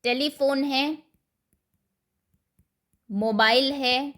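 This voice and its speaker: A woman teacher walks young pupils through a worksheet, sounding out answers word by word. Her voice sits a little high, and she speaks very slowly and patiently. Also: fairly even intonation, fairly bright tone. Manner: slow, patient, dictates words one at a time. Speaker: school teacher. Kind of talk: explaining a Hindi worksheet to primary pupils.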